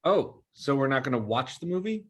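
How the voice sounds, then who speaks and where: A man's voice: medium pitch, very animated, a little fast, husky. A man playing an easygoing, agreeable young man on a date in a screenplay table read.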